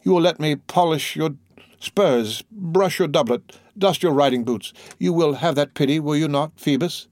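Here is a man playing a young gypsy girl from an old novel. The voice is lifted higher and pleads with passionate devotion in archaic, imploring phrases. It is recorded close and dry. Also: moderate pace, a little mellow, dry recording, natural voice. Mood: pleading, submissive.

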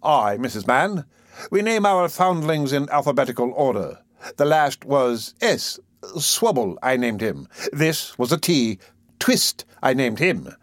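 A man voicing a pompous, self-important parish beadle in an audiobook, with a stately, drawn-out delivery. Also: mid-range voice, very animated, fairly bright tone, no echo, studio quality, pitched above the performer's own voice. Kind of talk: audiobook character voice.

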